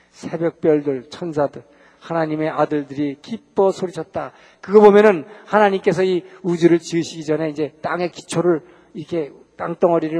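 A man with a fairly high voice teaches a Bible lecture, chatty and full of questions to his class. His voice rings with long hall reverb. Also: darkish tone. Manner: conversational, asks the class rhetorical questions.

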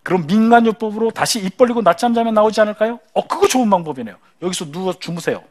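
A man playing a calm, kindly male local doctor who talks gently and humors his patient in a story. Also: high voice, fast talker, voice pushed up. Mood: soothing.

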